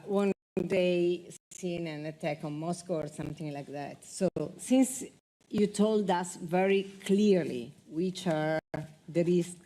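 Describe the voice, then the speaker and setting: Woman moderator, slow and mellow, lots of uh's. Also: on the low side. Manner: measured, hesitant, many fillers. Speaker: conference moderator. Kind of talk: moderating an on-stage interview. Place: conference hall.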